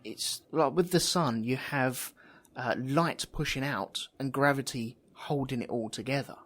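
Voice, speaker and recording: Guy hosting a podcast, mid pitch, rambles and makes fun of himself. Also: a little slow, a bit bright. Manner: rambling, self-mocking, thinks aloud. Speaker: podcast host. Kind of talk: casual chat.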